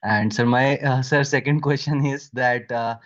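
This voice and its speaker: A man's voice: medium pitch, steady tone, a little slow. Deferential Indian-accented man, muffled call audio. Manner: deferential, hesitant. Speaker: investor asking questions. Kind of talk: conference call question.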